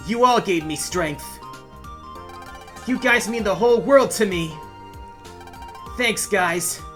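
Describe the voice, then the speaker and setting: A woman voicing an earnest, gentle young boy hero in a game story, speaking sincerely and a little hesitantly. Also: mid-range voice, takes it slowly, soft background music. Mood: heartfelt. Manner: soft-hearted, sincere, hesitant.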